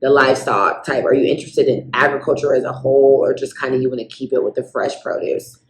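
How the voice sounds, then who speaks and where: A woman's voice: very deep voice, fast talker, slight background noise. An American woman interviewing a guest in a chatty, curious way. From United States. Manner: relaxed, curious, chatty questions. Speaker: interviewer and vlogger. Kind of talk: casual interview chat. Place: room in Kenya. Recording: echoey room.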